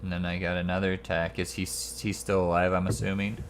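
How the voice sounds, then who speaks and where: A man's voice: low voice, flat delivery, fast. A man playing a tabletop role-playing game, talking casually about his moves and rolls. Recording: faint background noise.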